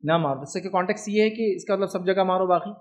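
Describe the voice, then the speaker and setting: A man's voice: high voice, fast talker. A man with an Indian accent giving an Islamic lecture, talking in a chatty way and often asking his listeners whether they understand. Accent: Indian Hindi-Urdu. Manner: conversational, keeps asking "do you understand?". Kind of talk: religious lecture.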